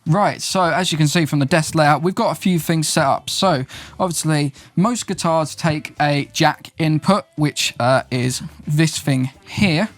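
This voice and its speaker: A young man, a YouTube host, videographer and podcast producer, explains recording gear step by step to camera on his own channel in a casual, upbeat tone. His fairly high-pitched voice is unhurried, with no room sound and soft background music.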